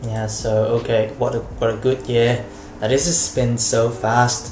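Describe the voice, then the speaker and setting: Speaking at a fairly slow pace, a man has a medium pitch and a monotone, flat intonation. Audible room echo and noticeable background noise are present. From Vietnam. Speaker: master's student and vlogger. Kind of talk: casual chat. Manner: halting.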